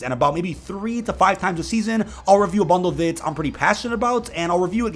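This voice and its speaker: A man hosting a gaming channel, giving news commentary in an energetic, announcer-like way with punchy emphasis. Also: a little high.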